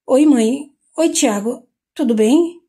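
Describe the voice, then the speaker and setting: A woman with a Brazilian Portuguese accent reading the lines of a calm, firm male psychologist in a measured, steady way. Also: sits high.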